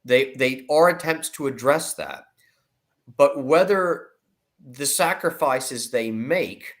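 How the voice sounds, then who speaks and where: Male analyst, mid-pitched voice, emphatic, deliberate, conversational financial commentary, repeated words. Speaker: investment analyst, guest commentator.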